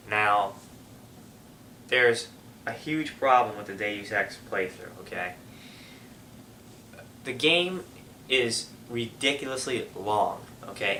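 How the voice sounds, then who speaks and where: A man's voice: on the low side, bright, forceful tone, slight background noise. A young man with a stuffy nose from a cold, hosting a casual gaming vlog update with lots of fillers and restarts. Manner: rambling, frequent fillers and restarts. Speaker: gaming channel host. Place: room at his family home. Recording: echoey room, mic at a distance.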